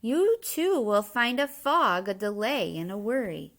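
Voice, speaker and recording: A woman's voice: medium pitch, big pitch swings, measured pace, a little hiss or hum. A woman voicing a commanding, fretful old Santa Claus from a children's storybook, declaiming instructions in rhyme. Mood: urgent, calling out.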